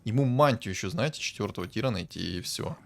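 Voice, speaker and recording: A man casually commenting on a strategy game as a streamer, thinking aloud and breaking into bursts of excitement. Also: on the low side, fast, vocal fry. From Ukraine.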